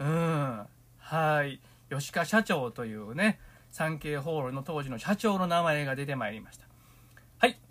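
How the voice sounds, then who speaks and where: Speaking fairly slowly in a Kansai accent, a man with a fairly high pitch has a relaxed tone. His intonation is lively and his loudness swings widely. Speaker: rakugo storyteller, podcast host. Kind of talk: reading a diary aloud with commentary. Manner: casual, relaxed with fillers.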